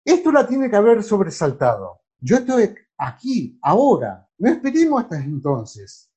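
A man's voice: sits high, huge pitch swings, normal speed, warm tone. A man preaching a sermon, reading Bible verses aloud and breaking in with emphatic exclamations. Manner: emphatic, exclaiming, asks listeners to read verses.

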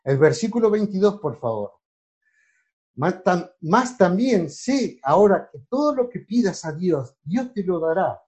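A man's voice: high voice, very animated, a little slow, darkish tone. A man preaching a sermon, reading Bible verses aloud and breaking in with emphatic exclamations. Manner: emphatic, exclaiming, asks listeners to read verses.

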